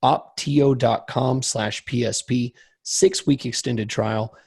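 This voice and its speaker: A man co-hosting a podcast with a slightly hoarse, crackly voice, chatting casually in a self-deprecating, slightly awkward way. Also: medium pitch, fairly even intonation, slow, a little mellow. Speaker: podcast co-host.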